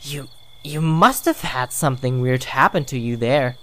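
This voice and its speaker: A woman's voice: extremely low pitch, moderate pace. A woman playing an earnest young believer in local ghost legends, speaking hesitantly and conversationally in an amateur audio drama. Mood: insistent.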